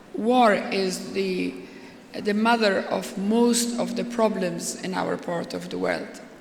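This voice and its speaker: With audible room echo and noticeable background noise, a woman speaks at a very slow pace. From Afghanistan. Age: 60s. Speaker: political leader and activist. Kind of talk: onstage interview. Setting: stage with audience at conference. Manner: hesitant, many fillers.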